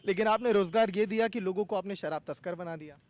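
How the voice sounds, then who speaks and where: A man's voice: high-pitched, fast talker, no echo. A man, a news reporter, putting pointed questions in a field interview and signing off.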